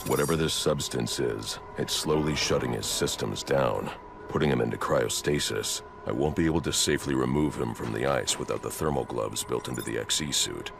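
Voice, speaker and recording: An actor playing a grim, brooding masked vigilante in a video game, with a very deep gravelly growl and a slow, clipped, menacing delivery. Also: male voice, noisy background. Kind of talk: video game cutscene acting. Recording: game audio with score underneath.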